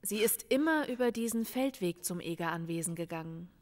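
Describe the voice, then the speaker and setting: An actress in a crime radio play as a calm female police lieutenant, questioning in a measured, insistent way. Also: mid-range voice, long reverb tail, close to an everyday voice. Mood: probing, insistent. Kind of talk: audio drama dialogue.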